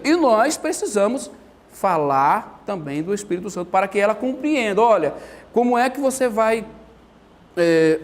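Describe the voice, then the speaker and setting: High-voiced, animated male Bible teacher. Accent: Brazilian Portuguese. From Brazil. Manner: animated storytelling, acts out quotes. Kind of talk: lively church teaching talk.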